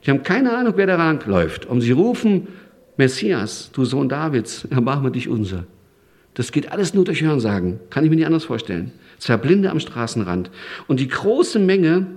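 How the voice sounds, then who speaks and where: A man delivers a sermon with an animated, emphatic manner. His voice often climbs and swells as he drives a point home, then drops back to a quieter, conversational tone. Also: a little fast. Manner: lively, emphatic, with sudden rises in pitch and loudness. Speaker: preacher.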